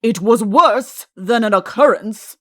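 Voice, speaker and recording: A woman's voice: on the high side, takes it slowly, a bit bright, no room sound, studio quality. Cold, haughty, vengeful king acted by a woman. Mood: cold outrage. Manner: curt, haughty, heavy emphasis. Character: vain, cold, vengeful king in a vile temper. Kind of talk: audiobook comic character acting.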